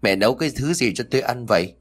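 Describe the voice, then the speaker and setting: A man voicing a harsh young mother who scolds her mother-in-law in a rude, fast voice. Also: medium pitch, animated, lightly acted. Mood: scolding.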